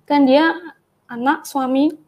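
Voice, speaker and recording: A woman's voice: high voice, takes it slowly. A young woman, telling a personal testimony in casual talk and acting out the voices in her story. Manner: animated, acts out the dialogue of her story. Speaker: guest giving a testimony.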